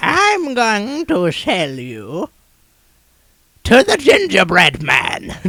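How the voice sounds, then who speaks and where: A man puts on a character voice with a high pitch. He speaks at a very slow pace with long, frequent pauses. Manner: menacing, cackling.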